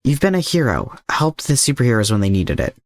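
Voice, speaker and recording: A man voicing a defiant, indignant young male hero in an audiobook-style story, blunt and quick-tongued. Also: mid-range voice, huge pitch swings, no echo, clean studio sound, voice pushed up. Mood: probing.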